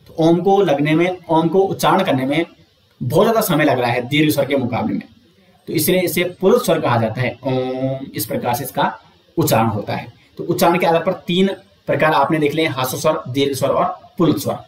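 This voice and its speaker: Male teacher, exam coaching lesson, answers his own questions, drawn-out demonstration sounds, echoey room. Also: on the high side. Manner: draws out sounds slowly to demonstrate them.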